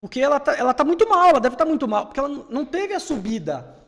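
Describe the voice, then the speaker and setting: A man from Salvador, teaching public speaking in an energetic, emphatic way. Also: very high-pitched, fast. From Salvador, Brazil. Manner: energetic, emphatic, rising bursts when he gets worked up. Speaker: speaking coach. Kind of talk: instructive conversation. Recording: long hall reverb.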